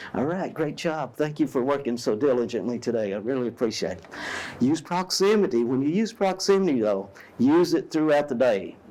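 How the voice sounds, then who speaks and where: A man talks at a fairly quick pace in a fairly high pitch with a dark, mellow tone and very wide pitch swings. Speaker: education trainer. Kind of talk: teacher workshop presentation. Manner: fast, stumbling when nervous; conversational, folksy.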